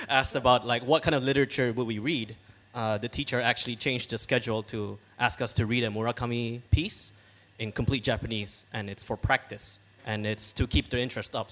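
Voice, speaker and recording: A young man speaking thoughtfully in a casual group discussion, pausing often with fillers. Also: mid-range voice, a bit bright. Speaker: audience member at a book party.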